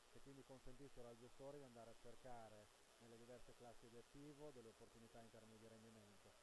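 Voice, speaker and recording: Middle-aged male executive, measured and businesslike, handheld mic at a noisy trade fair with hiss. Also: medium pitch. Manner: measured, businesslike, with frequent fillers. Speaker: sales director of an asset manager. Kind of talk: trade-fair interview answers. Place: busy trade-fair stand indoors. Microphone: handheld interviewer mic held close. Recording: audible hiss and background noise.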